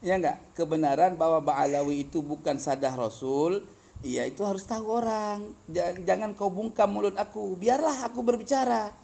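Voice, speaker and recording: A man's voice: high-pitched, normal speed, creaky, warm tone. A man arguing heatedly on a live stream, answering viewers in a taunting, confrontational, mocking way and chuckling between points. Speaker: livestream debater answering viewers.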